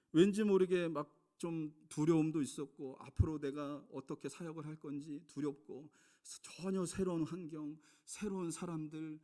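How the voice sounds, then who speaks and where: A middle-aged man from South Korea, a pastor preaching a sermon, swinging between loud emphatic lines and hushed storytelling and asking the congregation questions. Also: on the high side. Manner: addresses the congregation with rhetorical questions.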